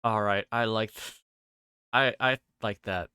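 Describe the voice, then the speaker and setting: A man chatting casually as he hosts a game livestream, halting and rambling and often trailing off. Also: lowish voice, steady tone, pushed and bright, smooth, dry recording, studio quality, faint music behind. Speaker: livestream host playing a visual novel.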